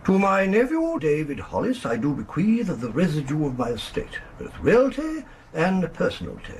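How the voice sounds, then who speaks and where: Radio drama: hesitant, pompously formal middle-aged solicitor, higher-pitched, very animated intonation. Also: male voice, moderate pace. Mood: fussy, formal. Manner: fussy, formal, hesitant, throat-clearing. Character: fussy, hesitant English male country solicitor. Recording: faintly noisy 1980s radio drama recording.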